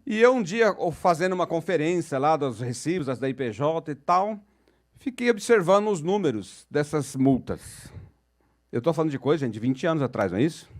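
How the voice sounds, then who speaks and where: Middle-aged São Paulo moderator, slightly high-pitched, jokey and engaging on stage. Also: male voice, animated, normal speed. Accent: São Paulo Portuguese. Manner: chatty, jokey, asks the crowd questions. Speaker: panel moderator. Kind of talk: storytelling talk to an audience. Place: auditorium.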